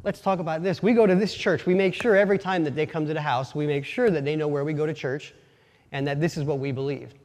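A man's voice: a little high, fairly even intonation, darkish tone. Folksy Pennsylvania Dutch man in a church. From Pennsylvania, USA. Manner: folksy, self-deprecating, halting restarts. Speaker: lay preacher. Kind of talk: casual sermon with personal stories. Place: church sanctuary. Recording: long church reverb.

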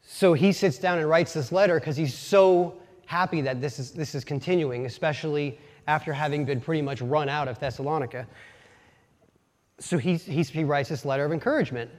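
A man with a light Pennsylvania Dutch accent preaches in a relaxed, storytelling way, poking fun at himself and often restarting his sentences. His voice sits a little high for a man. The long reverb of a church hall trails after every phrase. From Pennsylvania, USA. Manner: folksy, self-deprecating, halting restarts. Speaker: lay preacher. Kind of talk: casual sermon with personal stories. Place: church sanctuary.

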